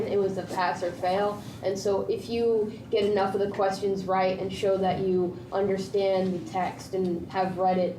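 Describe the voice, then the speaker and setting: A teenage female student, explaining an idea in a class discussion. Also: medium pitch. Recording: echoey, distant, noisy room.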